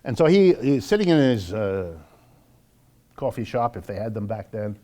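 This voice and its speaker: A man with an American accent lecturing off the cuff to a live audience, wry and emphatic, slowing for dramatic weight. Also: on the low side, big pitch swings, mellow. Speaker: lecturer hosting a monthly public talk.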